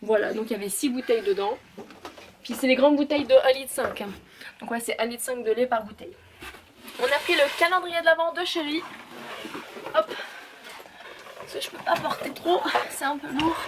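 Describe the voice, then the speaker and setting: A woman talking casually through a haul vlog at home, chatty and halting with many fillers. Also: sits high, roomy sound, noisy background. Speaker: vlogger. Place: home kitchen and garage.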